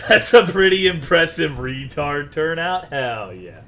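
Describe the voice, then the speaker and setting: A Texan man streams a video game and jokes crudely with his viewers, brash and profane in his casual chatter. His voice is fairly high and fairly bright, with lively intonation at a measured pace.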